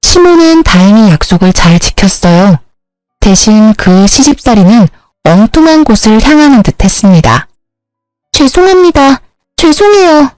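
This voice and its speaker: A woman tells a first-person story as scripted narration, in a calm, even voice. The recording is dry and close, with faint music playing underneath. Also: mid-range voice, moderate pace, no echo, low-quality recording.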